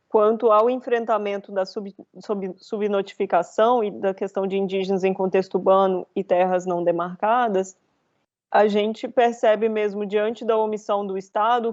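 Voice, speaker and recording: A woman law professor commenting as debater in an online webinar, measured and academic. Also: medium pitch, a little mellow, muffled recording. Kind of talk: webinar talk. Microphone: video call.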